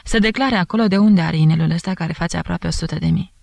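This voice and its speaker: A woman's voice: fairly low pitch, creaky, darkish tone. A woman doing an earnest cautious jeweler.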